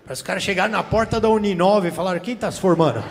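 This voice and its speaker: A Brazilian stand-up comic rattles off profane slang at the audience very fast, his high-pitched voice gravelly, holding a handheld mic on a theater stage. Laughter comes from the crowd, and the reverberant room carries faint noise.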